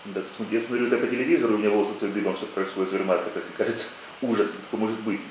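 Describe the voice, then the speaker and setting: A man's voice: on the low side, fairly even intonation, very fast. A man moderating a reader Q&A at a press conference, speaking briefly and politely. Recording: very echoey room, faint noise.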